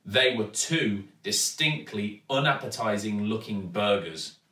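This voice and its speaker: British guy reading a kids book, lively and dramatic, bright voice, mic a bit far off. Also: on the low side, measured pace. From United Kingdom. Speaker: actor reading a children's book. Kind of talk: expressive storybook narration. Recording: echoey room, distant mic.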